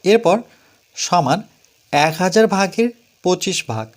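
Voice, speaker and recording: A man's voice: high voice, lively intonation, slow pace. A man with a West Bengal Bengali accent, teaching a math lesson step by step and patiently counting each step aloud. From West Bengal, India. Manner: patient, repeats and counts steps aloud, asks and answers own questions. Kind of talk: step-by-step classroom explanation.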